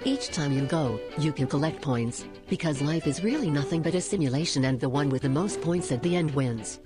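A performer playing a bored, cynical comedy sidekick with a deadpan, sarcastic delivery, mocking everyone. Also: medium pitch, fairly quick, over music, close to an everyday voice. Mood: bored sarcasm. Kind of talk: scripted deadpan comedy insults and mock ad.

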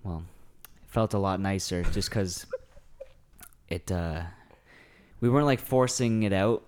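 A man's voice: deep voice, slow pace, darkish tone, smooth. A young man co-hosting a casual podcast, loose and jokey, laughing and swearing often. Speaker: podcast co-host, band member. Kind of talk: casual chat.

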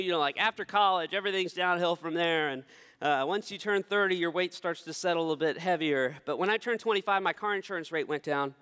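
A man's voice: high-pitched, a bit bright, in a large hall. A young man, preaching a sermon in a conversational, self-deprecating way. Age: 20s. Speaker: pastor.

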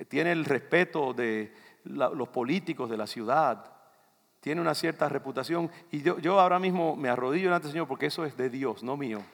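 An older man from the Dominican Republic, a pastor, preaches in a church sanctuary in a Dominican Spanish accent, his sermon loose and conversational and often directed at the congregation. His pitch is fairly high and his delivery fairly quick. The recording carries a church hall's long reverb.

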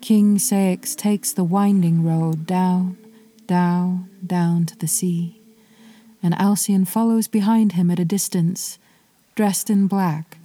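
A woman narrating an old myth as a podcast storyteller, in a measured, lyrical way. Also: lowish voice, steady tone, mellow, dry recording.

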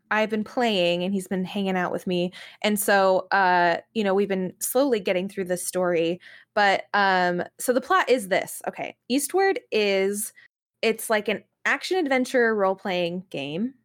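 Female podcast co-host, mid-range voice, relaxed informal phrasing, casual discussion among gamers. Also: medium pitch, measured pace. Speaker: podcast co-host and games writer.

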